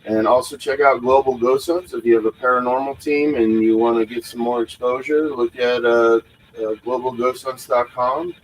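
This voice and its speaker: A man with a mid-pitched voice hosts a casual paranormal livestream. He speaks unscripted and haltingly, often pausing on filler sounds as he gathers the next phrase. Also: fairly even intonation, a little hiss or hum, rough recording. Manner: halting, hesitant delivery with frequent pauses and filler sounds. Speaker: host of a paranormal investigation livestream.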